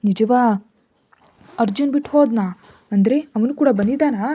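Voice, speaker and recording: A woman's voice: on the high side, normal speed, warm tone, husky. Woman voicing an anxious, fussing old grandfather.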